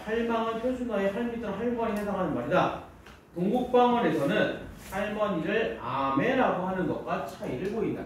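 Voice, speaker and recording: A male high school teacher giving a casual classroom lecture, asking students questions and bantering with them. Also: a little hiss or hum. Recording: echoey classroom from far off.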